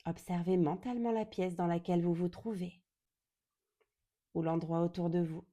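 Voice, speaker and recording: A woman guiding a yoga nidra meditation in a calm, gentle, soothing way, speaking deliberately and leaving long pauses. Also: fairly low pitch. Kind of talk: slow guided meditation.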